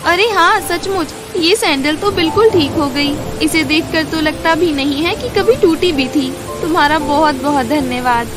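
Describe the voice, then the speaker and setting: High-voiced lovestruck young fairy played by an actress. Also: female voice, moderate pace, few pauses, music in the background, natural voice. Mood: grateful. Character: young lovestruck fairy woman, earnest and determined. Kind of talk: Hindi animated fairy-tale voice acting.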